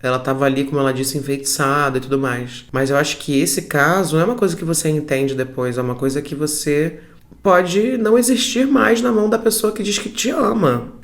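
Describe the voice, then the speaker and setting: A man's voice: fairly high pitch, a little fast. A man hosting the show who reacts to the story and reflects on it earnestly, speaking straight to his viewers. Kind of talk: reflective commentary.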